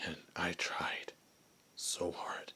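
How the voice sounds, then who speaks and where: A man playing a gentle, lonely werewolf who was once human, in a soft, hesitant, confiding ASMR roleplay voice. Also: very slow, heavily acted. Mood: hurt, confiding. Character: gentle, lonely male werewolf, former human, wistful outcast.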